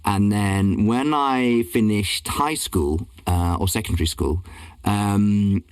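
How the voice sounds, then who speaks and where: Belgian man, low voice, rambling. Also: slow, clear, resonant tone, dry recording. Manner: rambling, many ums and restarts. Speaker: guest, voice-over and casting director. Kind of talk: casual interview talk.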